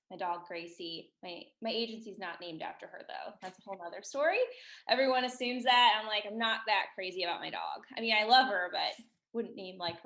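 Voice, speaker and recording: Woman, thirties, Midwestern accent, bright forceful voice, chatty with lots of ums, roomy echo. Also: mid-range voice. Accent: Midwestern American. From Missouri, USA. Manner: chatty, laughs often, many ums. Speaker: podcast guest. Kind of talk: casual interview chat.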